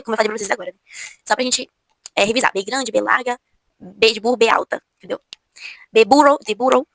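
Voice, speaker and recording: A Brazilian woman gives a casual video lesson in a quick, fairly high voice. She often slows down to repeat single words and show how each sound is formed. The recording is close and dry. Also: fairly bright tone, dry recording. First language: Portuguese. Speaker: Spanish teacher.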